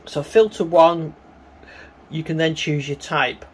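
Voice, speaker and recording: A man giving a casual, hands-on synthesizer demonstration, talking in a halting way as he works. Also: a little high, fairly even intonation, breathy edge, poor audio. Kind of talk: casual hands-on gear demo commentary. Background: synthesizer tones.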